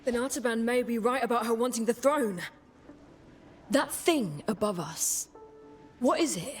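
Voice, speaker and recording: An actress playing a wary, practical female warrior in a video game, speaking in a serious, measured way. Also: fairly high pitch, soft background music, close to an everyday voice. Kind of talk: video game cutscene acting.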